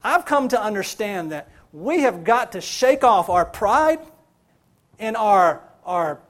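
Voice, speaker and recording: High-voiced, slow-preaching male pastor. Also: big pitch swings. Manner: preaching with rising emphasis, repeats phrases for stress. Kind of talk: sermon.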